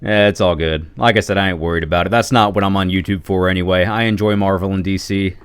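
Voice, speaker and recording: Laid-back low-voiced male podcast guest. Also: fairly even intonation, fast talker, clear, resonant tone, no echo. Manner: laid-back, self-deprecating. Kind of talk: casual chat.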